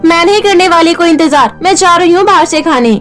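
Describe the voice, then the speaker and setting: A woman's voice: very high voice, a little fast, a bit bright, faint music behind, pitched above the performer's own voice. A woman voicing a spoiled, demanding young woman in a cartoon story, who talks petulantly.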